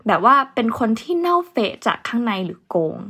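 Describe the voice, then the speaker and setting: A woman's voice: fairly high pitch, sing-song, a little fast, bright, forceful tone, husky. A young woman hosting a casual vocabulary lesson, chatting easily and spelling words out letter by letter. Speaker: English teacher host.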